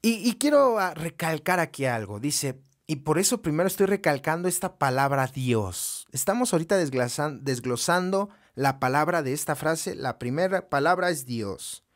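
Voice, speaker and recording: A man's voice: a little high, animated, moderate pace, few pauses. A man giving a spiritual recovery talk, preaching and firing off rhetorical questions. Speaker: AA speaker.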